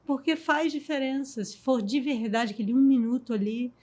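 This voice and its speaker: Woman storyteller guest, slightly higher voice, calm and reflective delivery. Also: moderate pace. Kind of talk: reflective conversation.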